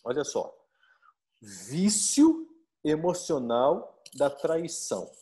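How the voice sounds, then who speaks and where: A man with a Brazilian Portuguese accent, a marriage therapist giving a live-stream talk, animated and full of rhetorical questions. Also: on the high side, extremely slow. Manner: animated, acts out little dialogues and asks rhetorical questions.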